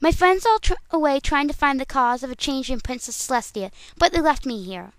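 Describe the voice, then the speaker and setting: A woman's voice: sits high, lively intonation, a little fast, dry recording. A woman voicing a perky, bubbly female cartoon party pony in a bouncy, eager manner.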